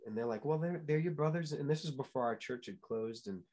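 A man's voice: medium pitch, a little fast, darkish tone. A young man from New England, a Christian musician telling his story as a podcast guest, earnest and full of fillers and restarts. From New England, United States. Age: young adult. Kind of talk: casual interview chat.

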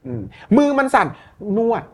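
A man speaking as a guest communication coach, explaining in a lively, demonstrative way and adding polite particles at the ends of his sentences. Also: normal speed. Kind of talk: conversational coaching talk.

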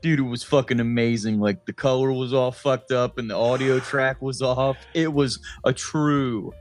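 A man co-hosting a comedy podcast in casual chat, laid-back, crude in his jokes and quick to laugh. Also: mid-range voice, steady tone, faint music behind. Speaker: podcast co-host.

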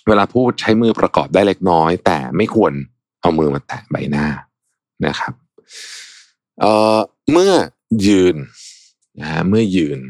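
A young man with a very low voice talks through tips in a relaxed, chatty way, softening his sentences with polite particles. The sound is dry and close, with no room around it. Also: no room sound. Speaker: podcast host. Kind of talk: casual advice talk.

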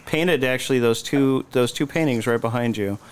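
A man with an American accent hosting a podcast, chatting casually and teasingly in a halting, genial way. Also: mid-range voice. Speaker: podcast host. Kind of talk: casual interview chat.

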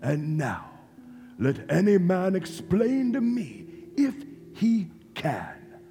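A man narrating a stage radio play as a theatrical, measured, suspenseful storyteller with a creaky voice. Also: sits high, wildly swooping pitch, warm tone. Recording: reverberant hall, music behind.

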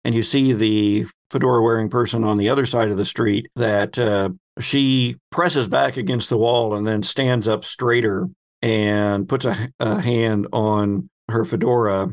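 A man working as host and game master, narrating an improvised story in a conversational way, pausing to search for words. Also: fairly low pitch, steady tone.

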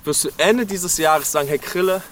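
A man's voice: a little high, moderate pace, fairly bright tone, a little hiss or hum. A man from Berlin preaching a sermon and speaking directly to listeners, urging them with frequent calls of "hey". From Berlin, Germany. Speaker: pastor. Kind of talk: New Year sermon.

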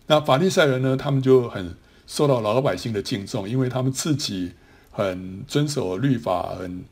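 A man's voice: mid-range voice, moderate pace, darkish tone, husky. A man teaching a Bible class, explaining step by step with many trailing particles and small restarts. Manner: explanatory, frequent sentence-final particles and restarts.

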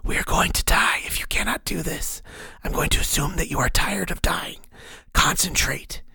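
A man voicing an urgent mentor figure in a breathy whisper, insistent and instructive. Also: fairly high pitch, moderate pace, bright, forceful tone, dry recording, voice pushed up, exaggerated voice.

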